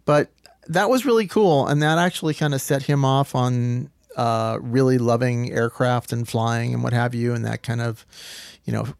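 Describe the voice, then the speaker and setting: A man's voice: medium pitch, fairly even intonation, normal speed, gravelly, smooth, no room sound, studio quality. A middle-aged man from the Boston area, a guest speaking casually in an easygoing, rambling way with restarts. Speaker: guest, former studio engineer. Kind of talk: casual interview chat.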